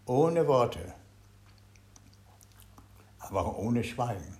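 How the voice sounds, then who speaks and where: Leading a group in a Zen meditation talk, an older man talks at a medium pitch and is very animated. His delivery is halting as he hunts for words, his volume lurching from loud to very soft.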